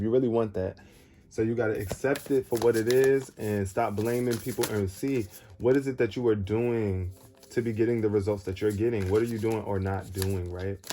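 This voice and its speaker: A man's fairly low pitch, dark, mellow tone and fairly even intonation at a fairly quick pace. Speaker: tarot reader. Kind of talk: tarot reading monologue. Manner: fast.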